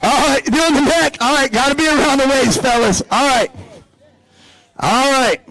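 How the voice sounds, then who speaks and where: A man announcing live at an outdoor off-road race track, energetic and joking as he hypes the crowd. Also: very high-pitched, normal speed, rough recording.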